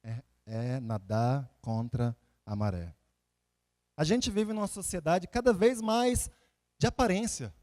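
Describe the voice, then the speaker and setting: A high-voiced male preacher from Salvador, Bahia, Brazil, speaks slowly with a darkish tone. He delivers his sermon conversationally, like a storyteller, drawing on anecdotes and scripture while repeating phrases and questioning listeners rhetorically.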